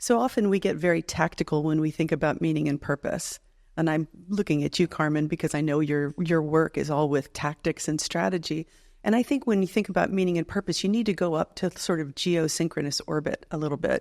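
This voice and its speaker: In a plain, everyday voice, a woman with an American accent talks at a fairly quick pace and fairly low pitch with ordinary pitch variation. Her loudness stays very even, and the sound is dry and close with no echo over a quiet background. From US South, Middle Georgia. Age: 60s. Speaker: executive coach. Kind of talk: podcast interview.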